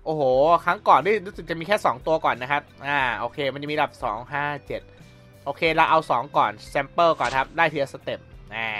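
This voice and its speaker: Over the game's sound and music, a young gameplay commentator talks fast in a slightly high, bright voice with a forceful edge. His let's-play commentary is relaxed, chatty and rambling, full of polite filler endings.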